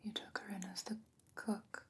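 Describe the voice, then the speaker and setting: A woman playing a calm, thoughtful fantasy sorceress in an ASMR roleplay, speaking in a breathy, measured whisper with deliberate pauses. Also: lightly acted. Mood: concerned, probing.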